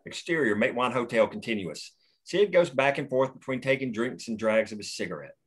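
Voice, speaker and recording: A man's voice: mid-range voice, animated, a little fast, fairly bright tone, breathy edge. A man plainly reading the action lines and stage directions at a screenplay table read.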